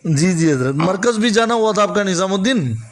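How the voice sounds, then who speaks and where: A man's voice: sits high, expressive, a little fast. A man arguing persistently on a recorded phone call, addressing the other man with honorifics and talking over him. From Gujarat, India. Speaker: caller questioning a cleric on a recorded phone call. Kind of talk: argumentative phone conversation.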